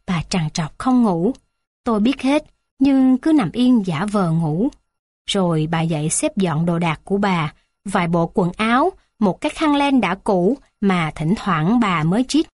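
Woman reading a kids story, steady and plain, dry sound. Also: medium pitch, no room sound.

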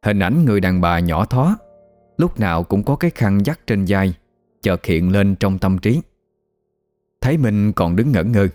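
A man narrating a ghost story in a measured, evocative way. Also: fairly low pitch, no room sound. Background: soft music.

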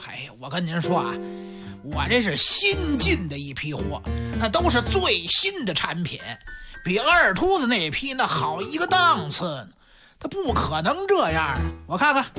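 Woman doing a shifty shop boss guy, smooth and wheedly, lively voice, music under it. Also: fairly high pitch, a little slow. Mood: excuses. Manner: wheedling, placating, glib excuses. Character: slick male bike-shop boss, smooth-talking dodger. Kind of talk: broadcast radio comedy drama. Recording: radio drama with music bed.

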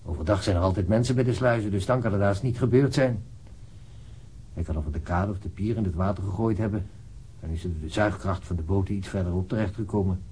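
An actor playing a frustrated local police detective in a radio drama, dry and matter-of-fact. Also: male voice, low-pitched, fast, warm tone, husky, poor audio. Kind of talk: radio drama acting, naturalistic.

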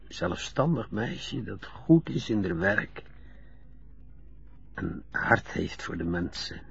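A frail, lonely old widower. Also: male voice, lowish voice, creaky, full character voice. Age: older. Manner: slow, halting, stammering. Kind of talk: radio drama acting. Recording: dull lo-fi radio play recording.

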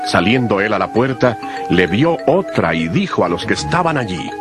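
A man with a low voice delivers solemn scripted narration for a dramatized Bible. Music plays clearly beneath his words. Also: animated, moderate pace. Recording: music behind the voice.

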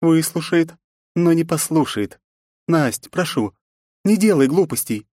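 A man's voice: on the high side, lively intonation, a little slow, warm tone, no echo, studio quality, pitched above the performer's own voice. A man voicing an anxious, cautious older woman pleading on a phone call in an audiobook.

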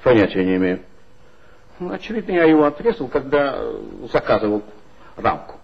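A man's voice: medium pitch, sing-song, normal speed, creaky, slightly rough, exaggerated voice. An actor playing a nervous, evasive male office worker in a 1960s radio play. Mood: flustered. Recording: dull lo-fi old radio recording.

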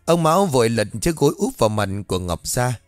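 A man's voice: mid-range voice, sing-song, no room sound. Man narrating a ghost story, dry close voice. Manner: measured, dramatic storytelling. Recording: dry close voice with faint background music.

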